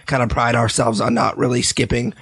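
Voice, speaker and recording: Raspy, stuffed-up man with a cold. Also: mid-range voice, little pitch movement, a little fast, a bit bright, dry recording, studio quality. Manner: rambling, many fillers and restarts. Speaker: podcast host. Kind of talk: casual podcast chat.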